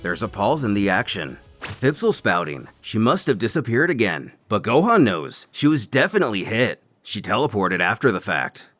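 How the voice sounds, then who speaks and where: Animated male narrator over music. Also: lowish voice, normal speed. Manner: theatrical, storytelling. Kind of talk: dramatic scripted comic narration. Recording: music behind the voice. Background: dramatic background music.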